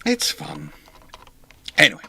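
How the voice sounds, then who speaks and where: A man's voice: a little slow, pushed and bright. A man hosting a live question-and-answer stream, talking in a wry, discursive way with sarcastic asides. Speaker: host.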